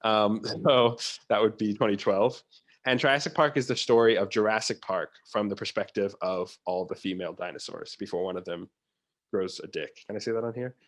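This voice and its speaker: A man's voice: on the low side, moderate pace. A man talking informally as an interview guest, with asides and the odd mimicked reaction. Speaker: theatre producer, interview guest. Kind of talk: casual conversational interview.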